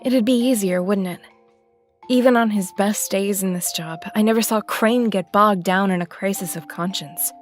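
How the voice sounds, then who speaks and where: An actress playing Snow White, a weary, guarded and sardonic deputy mayor with a dry, wry manner, in an audio drama. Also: female voice, mid-range voice, normal speed, soft background music, close to an everyday voice. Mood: cool, firm.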